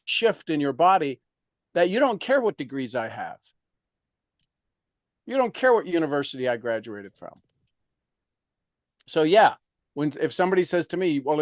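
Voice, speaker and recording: A man coaching in an emphatic, motivational way, animated and firm. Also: a little high, no room sound, studio quality. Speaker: sales coach.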